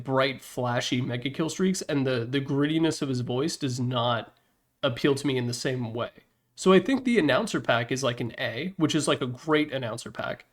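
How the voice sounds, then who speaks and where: Man, medium pitch, casual gaming presenter, slangy phrasing, emphatic opinions, conversational delivery. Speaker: presenter ranking game announcer packs. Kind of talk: casual, opinionated video game commentary.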